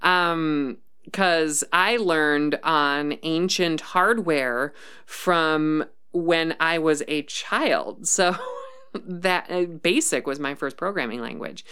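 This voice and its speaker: Host woman, low clear voice, rambling live chat, thinks aloud. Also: slow pace, bright, forceful tone. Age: adult, worked as a developer. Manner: thinking aloud, frequent ums and restarts. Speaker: livestream host reading chat. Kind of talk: casual rambling livestream chat.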